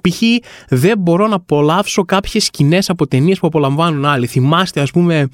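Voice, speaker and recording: A man's voice: fairly high pitch, dry recording, clean studio sound. A man hosting a comic podcast, rambling through a wry, self-mocking monologue. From Greece. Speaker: podcast host.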